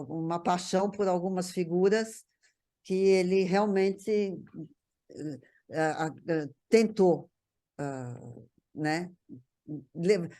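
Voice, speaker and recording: A woman's voice: mid-range voice, a little mellow. A Brazilian woman reminiscing in casual conversation as an interview guest, often repeating words as she searches for the next one.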